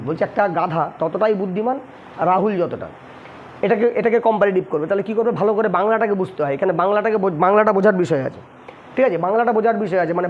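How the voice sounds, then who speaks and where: A high-pitched man with a Bengali accent explains English grammar to students, repeating points and posing rhetorical questions. The recording is dull and lo-fi, with slight background noise.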